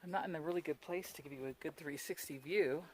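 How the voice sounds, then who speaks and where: A woman's voice: deep voice, quick pace, noisy background. A woman chatting casually to her camera as a vlogger, laughing often and poking fun at herself. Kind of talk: casual vlog chat. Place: on a mountain trail outdoors, later at home.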